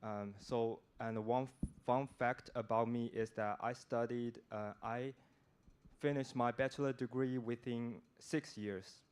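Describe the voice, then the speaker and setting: Slow, hesitant young man. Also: mid-range voice, fairly even intonation, darkish tone, smooth. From China. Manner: hesitant, many fillers and restarts. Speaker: participant introducing himself. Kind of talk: casual self-introduction.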